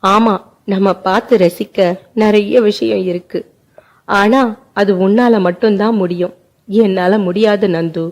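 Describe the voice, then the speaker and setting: A grief-stricken young woman speaks through tears in a spoken family story, as a woman narrator voices her. Her tone is warm and mellow at a moderate pitch. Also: steady tone, unhurried, long pauses, close to an everyday voice. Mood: despairing. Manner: tearful, despairing delivery.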